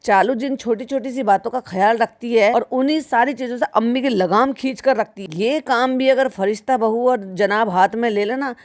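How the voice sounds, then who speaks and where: A woman delivers critical reaction commentary in a sarcastic, scolding way, mimicking the people she mocks and repeatedly addressing the listener directly as "bhai sahab." Her voice is fairly high, at a moderate pace with few pauses.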